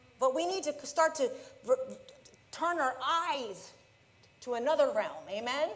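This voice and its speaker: A woman's high voice with lively intonation at a fairly slow pace, broken by long, frequent pauses, with audible room echo and noticeable background noise. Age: 40s. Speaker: pastor. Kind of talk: sermon. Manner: animated.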